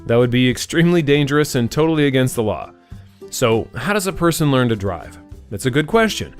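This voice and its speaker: Lively male voice-over artist over music. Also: mid-range voice, fairly quick. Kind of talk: scripted voice-over demo reads: commercial, explainer, narration. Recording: music bed behind the voice.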